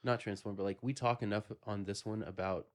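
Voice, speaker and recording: A man's voice: lowish voice, fairly even intonation, a little fast. A man hosting a casual podcast chat, joking and rambling with many restarts. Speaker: podcast host.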